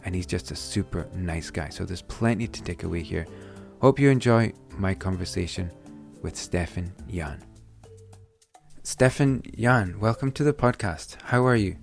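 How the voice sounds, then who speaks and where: Gravelly low-voiced male podcast host. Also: lively intonation, moderate pace, soft background music. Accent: Scottish. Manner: eager, chatty, with restarts. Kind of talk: podcast interview.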